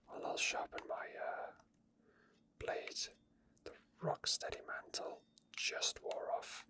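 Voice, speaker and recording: A man whispering unscripted ASMR gameplay commentary in a breathy, unvoiced murmur with hesitant asides. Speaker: game streamer.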